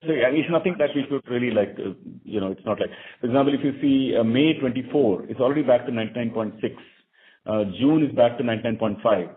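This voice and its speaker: An Indian-accented man answering analysts as a bank executive on an earnings call, explaining haltingly and often repeating words. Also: mid-range voice. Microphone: conference call phone line. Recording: narrow tinny phone line.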